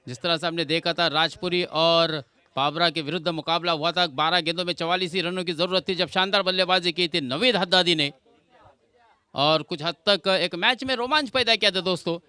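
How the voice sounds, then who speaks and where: A man's voice: high-pitched, brisk, sharp tone, clean tone, no echo. A man giving live cricket commentary, explaining the play and addressing viewers as friends.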